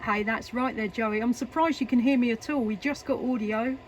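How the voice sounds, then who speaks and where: Speaking briskly in a slightly high voice, this English woman runs a CB radio and makes videos from a workshop at home. She talks in a casual, hesitant, chatty way over noisy static and hiss.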